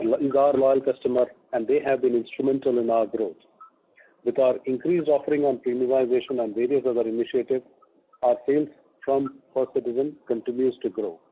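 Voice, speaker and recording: A man giving a formal, prepared business presentation as a company executive, speaking in measured, deliberate chunks. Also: mid-range voice, breathy edge. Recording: muffled, phone-like conference call line.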